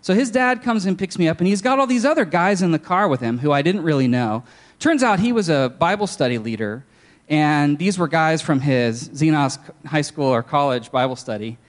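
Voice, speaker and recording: A man's voice: fairly high pitch, animated, normal speed. Candid young man telling his story. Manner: casual, candid storytelling with many fillers and restarts. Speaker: speaker sharing a testimony. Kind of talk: personal testimony talk.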